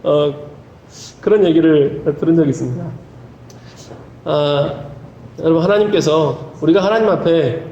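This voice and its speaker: A man's voice: sits high, darkish tone, slight background noise. A male pastor preaching a sermon in a church, earnest, with folksy humorous asides. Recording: roomy church hall, faint ambience.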